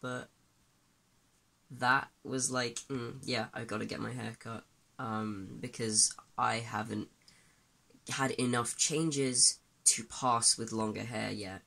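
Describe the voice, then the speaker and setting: A late-teen trans man rambles candidly in a casual vlog, groggy and just woken up, with lots of fillers and restarts. His medium-pitched voice is slow, creaky, pushed and bright, with fairly even intonation, captured roughly on a phone at arm's length. He starts in a small bedroom, then moves to a desk in a bedroom, all indoors.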